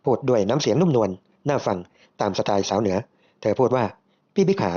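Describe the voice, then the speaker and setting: Mellow-voiced man telling a story. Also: fairly low pitch, dull audio. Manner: addresses listeners directly, measured. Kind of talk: first-person story narration.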